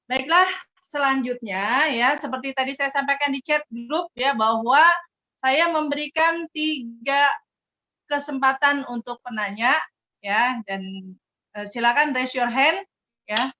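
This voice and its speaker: A woman's voice: sits high, a little slow, bright, forceful tone. A woman moderating an online event over a video call, talking casually with many filler words. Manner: fills speech with "ya" and "eh" fillers. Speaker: webinar moderator. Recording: muffled lo-fi video call audio.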